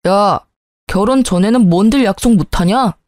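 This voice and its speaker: An irritable young husband who dodges and grumbles in a lowered voice, as a woman puts him on. The tone is soft and mellow. The sound is close and dry. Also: normal speed, no echo, close to an everyday voice. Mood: irritated.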